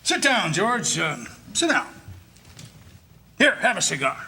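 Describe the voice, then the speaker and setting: A sly, domineering rich old man from an old radio play. The voice is high for a man and gravelly, with a sharp edge. He wheedles and condescends, impatient to get his way. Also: sing-song, slow pace, a little hiss or hum, exaggerated voice. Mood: sly, condescending. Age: older. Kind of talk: staged 1940s radio drama acting.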